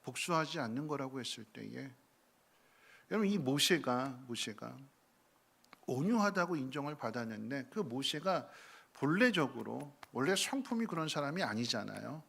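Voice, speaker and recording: A male pastor preaching a sermon in a church. He swings between soft, low passages and loud, emphatic bursts, and acts out the prayers he quotes. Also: animated, normal speed, vocal fry, breathy edge. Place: church sanctuary.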